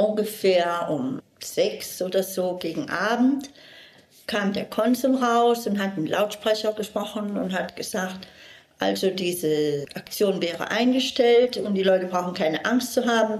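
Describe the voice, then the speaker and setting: With ordinary pitch variation and a medium pitch, a woman speaks at a fairly slow pace over noticeable background noise. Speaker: Holocaust survivor. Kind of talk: testimony.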